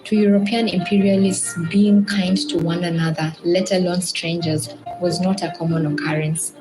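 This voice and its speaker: A woman's voice: lowish voice, little pitch movement, moderate pace, roomy sound, low-quality recording. A woman reading scripted documentary narration as a narrator. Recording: played video with music underneath. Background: music.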